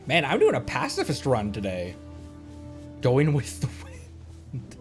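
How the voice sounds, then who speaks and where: A male game streamer with a lively, swinging pitch and a mid-range voice. He chats casually and playfully, half to himself and half to viewers, over background music. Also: unhurried. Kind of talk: casual live game commentary.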